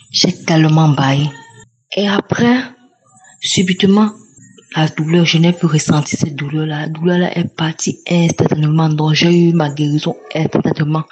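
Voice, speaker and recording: A woman's voice: low-pitched, darkish tone, husky, muffled recording. A young woman, giving an earnest, repetitive, grateful testimony. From Cameroon. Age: young adult. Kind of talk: spoken testimony.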